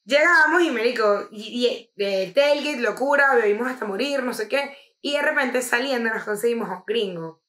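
A woman's voice: fairly high pitch, normal speed, few pauses. Slangy Venezuelan woman in an echoey room. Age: young adult. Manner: animated storyteller, slangy and swearing. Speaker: podcast co-host. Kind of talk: casual chat.

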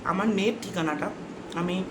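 A woman's voice: on the low side, moderate pace. Casting: woman, mukbang vlogger talking through mouthfuls, confiding and rambling, in an echoey, noisy room. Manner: talks while eating, mouth often full. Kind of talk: casual mukbang chat. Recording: roomy echo, clearly noisy background.

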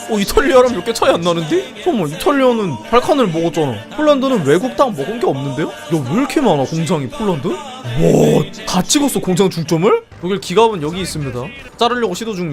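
A young man commentating a multiplayer strategy game live, exclaiming and laughing often, his voice a little strained. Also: high voice. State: strained voice from singing.

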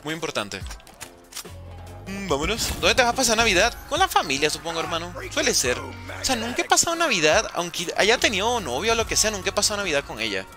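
Animated, high-voiced streamer man. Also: quick pace, over music. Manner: joking, teasing chat with slang. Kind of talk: casual live-stream chat while gaming.

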